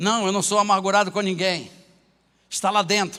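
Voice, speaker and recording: Raised and projected, a man's high voice stays monotone and flat. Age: 60s. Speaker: pastor. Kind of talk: sermon.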